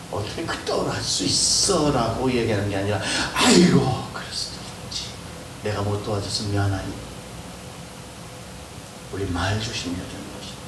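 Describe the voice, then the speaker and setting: A middle-aged male pastor preaching a sermon, swinging between loud exhortation and soft hushed asides and acting out family voices. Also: lowish voice. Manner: acts out scolding and kind family voices. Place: church hall. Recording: roomy, distant mic with background noise.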